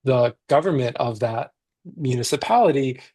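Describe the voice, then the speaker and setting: Man, author, casual book chat, husky voice, enthusiastic, frequent restarts. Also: mid-range voice, moderate pace. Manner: enthusiastic, animated, with many restarts and fillers.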